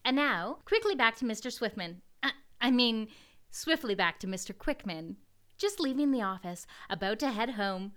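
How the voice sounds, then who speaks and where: Sardonic announcer, voiced by a woman; bright, lively, mock-formal narration. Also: a little high, moderate pace. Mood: wry. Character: dry sardonic female announcer.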